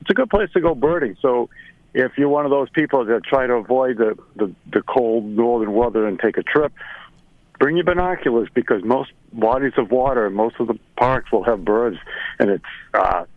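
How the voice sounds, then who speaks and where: A man's voice: medium pitch, lively intonation, normal speed, no room sound, narrow, tinny audio. A middle-aged or older man giving a chatty, folksy, casual birding report for radio by phone from inside a car. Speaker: birding correspondent.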